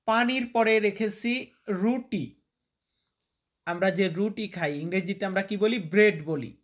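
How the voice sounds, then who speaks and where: Slow and high in register, a man from Bangladesh teaches a vocabulary lesson. As a language teacher, he repeats each term and checks the listener with questions.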